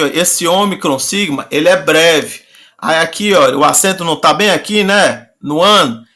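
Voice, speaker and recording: Bright-voiced teacher, patient. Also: male voice, fairly high pitch. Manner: patient, repeats and slowly draws out words. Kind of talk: online class lecture.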